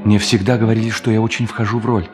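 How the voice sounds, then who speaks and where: An actor playing a bitter, lonely bank thief in hiding, in a theatrical radio play monologue that moves between muttering and solemn declamation. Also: male voice, fairly low pitch, level tone, quick pace, music in the background, lightly acted. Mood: bitter, agitated. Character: brooding fugitive bank thief, bitter, lonely, self-tormenting man.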